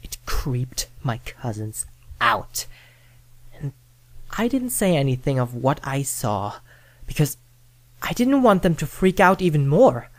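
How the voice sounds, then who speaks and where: A woman narrating a first-person scary story in a dramatic, deliberate manner with suspenseful pauses. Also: rumbling low, big pitch swings, no room sound. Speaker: horror story reader. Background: background music.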